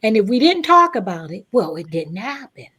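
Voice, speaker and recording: A woman's voice: mid-range voice, big pitch swings, pushed and bright, husky. Earnest woman guest speaking emphatically. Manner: earnest, emphatic, deliberate repetition. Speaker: stage actress, guest. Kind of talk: conversational interview.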